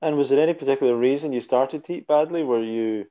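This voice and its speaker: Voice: mid-range voice, fast, dull audio. A podcast host introducing a guest and asking questions, with frequent encouraging backchannels. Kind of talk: podcast interview.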